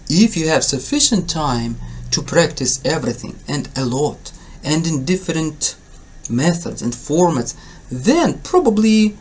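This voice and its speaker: A man's voice: fairly high pitch, a little mellow, a little hiss or hum. A man from Ukraine with a Ukrainian accent, an English test tutor talking casually to his viewers, hesitant with many fillers and self-corrections but encouraging. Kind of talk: casual spoken tutorial to camera.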